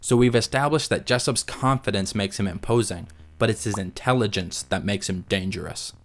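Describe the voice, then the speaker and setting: A man reading scripted analysis as a video essay narrator, in a measured, articulate, explanatory manner. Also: lowish voice. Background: background music.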